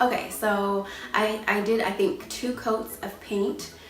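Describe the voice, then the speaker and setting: With music in the background and audible room echo, a woman speaks with fairly even intonation. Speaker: furniture makeover YouTuber. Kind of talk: tutorial. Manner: casual, filler-heavy.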